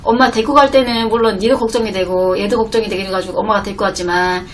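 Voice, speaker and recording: A woman voicing her worried mother as she scolds and pleads with her grown daughter, speaking lower and more softly than her own voice. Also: fairly even intonation, fast talker, recorded from a distance, a little hiss or hum, lightly acted. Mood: gentle, knowing. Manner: firm, pleading.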